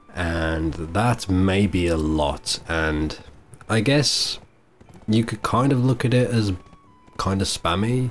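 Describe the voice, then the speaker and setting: A man at a very slow pace with long, frequent pauses, and music in the background. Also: lively intonation. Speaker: gaming YouTuber. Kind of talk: casual vlog update. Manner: hesitant with filler words.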